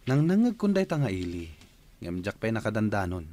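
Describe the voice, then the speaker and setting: An actor playing a grown son speaking calmly with his mother in a radio drama. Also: lowish voice, a little fast.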